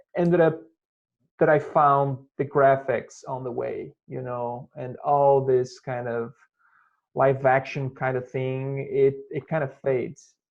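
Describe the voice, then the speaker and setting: A man with a Brazilian accent, a fairly high pitch, monotone, flat intonation and a very slow pace. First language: Portuguese. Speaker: motion designer and animator. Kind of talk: interview. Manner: hesitant with many fillers.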